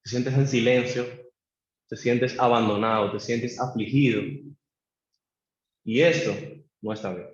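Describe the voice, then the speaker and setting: A man preaches a sermon, voicing a worshipper's pleading questions to God and calling the congregation to repeat after him. His medium-pitched voice rings through an echoey church. The recording is dull and low-fi. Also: fairly even intonation, a little slow, long pauses. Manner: acts out a believer's pleading prayers to God; leads the congregation in call-and-response.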